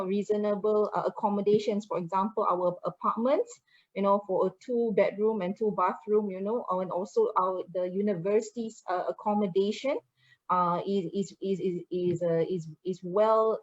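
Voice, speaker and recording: A woman's voice: mid-range voice, steady tone, moderate pace, dull audio. A Malaysian woman with a Malaysian accent, giving a chatty promotional presentation to prospective students and slipping into Malay phrases.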